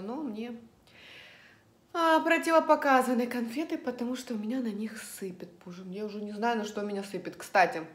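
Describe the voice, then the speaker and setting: A middle-aged woman talks to her viewers in a casual, rambling way, as a vlogger would over a meal at home. Her voice sits at an average female pitch. The room adds a clear echo around her. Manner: rambling, chatty, telling everyday stories. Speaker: lifestyle vlogger. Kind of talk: casual chat to viewers while eating. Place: indoors at home in an echoey room. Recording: roomy, echoing indoor sound.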